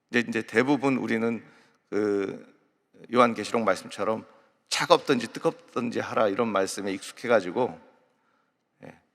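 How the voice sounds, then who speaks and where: Male pastor, gravelly voice, chatty sermon style with light anecdotes, recorded with long reverb in a large church. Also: medium pitch, a bit bright. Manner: conversational, explaining and telling lighthearted anecdotes. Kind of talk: early morning sermon.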